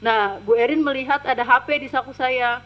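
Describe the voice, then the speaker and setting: A woman's voice: high-pitched, moderate pace, fairly bright tone, low-quality recording. A woman from Indonesia, a former household worker, giving a first-person testimony and plainly retelling what was said to her. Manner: plain retelling, frequently quoting others with "she said".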